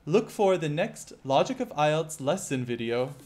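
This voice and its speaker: A male IELTS teacher giving a scripted lesson, speaking clearly and measuredly and putting rhetorical questions to the viewer. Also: a little high, very animated, unhurried.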